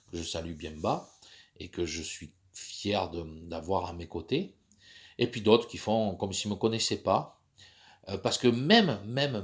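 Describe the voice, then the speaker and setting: A man in his fifties with a cold, talking in a rambling, hesitant monologue full of fillers and restarts. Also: lowish voice. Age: 50s. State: stuffy from a cold. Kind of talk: personal monologue.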